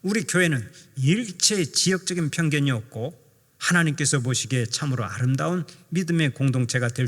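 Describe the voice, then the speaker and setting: Older male pastor, somewhat high and gravelly voice, earnest sermon in a reverberant church hall. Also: a bit bright. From Jeolla, South Korea. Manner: earnest preaching, acts out quoted speech. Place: church sanctuary.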